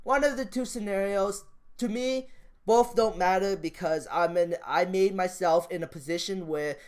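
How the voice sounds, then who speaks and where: A man's voice: high-pitched, moderate pace, a little mellow, smooth. A man talking off the cuff like a vlogger about his views, rambling, repeating phrases and restarting his sentences. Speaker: stock market vlogger. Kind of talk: casual off-the-cuff vlog commentary.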